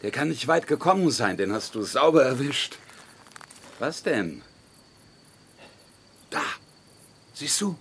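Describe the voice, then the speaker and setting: An actor playing a brisk, confident man out hunting at night in a radio crime drama, with crickets around. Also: mid-range voice, sing-song, fairly bright tone, a little hiss or hum, exaggerated voice. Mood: brisk, uneasy. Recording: outdoor night ambience with crickets.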